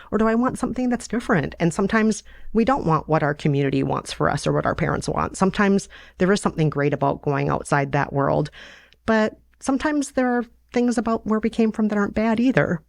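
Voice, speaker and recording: A woman chatting reflectively and conversationally as a host on a relaxed bedtime podcast. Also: sits low, creaky, no echo, clean studio sound.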